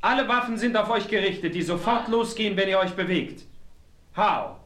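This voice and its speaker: An actor playing a stern Native American chief in a German western radio play, giving curt, imperious commands in a roomy studio. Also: male voice, sits high, expressive, normal speed, a bit bright. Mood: commanding.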